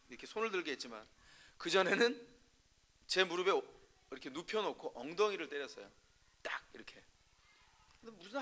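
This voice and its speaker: High, bright-voiced male preacher. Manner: storytelling, with frequent rhetorical questions to the congregation; swings between soft, hushed passages and loud, emphatic bursts. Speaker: pastor. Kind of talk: sermon.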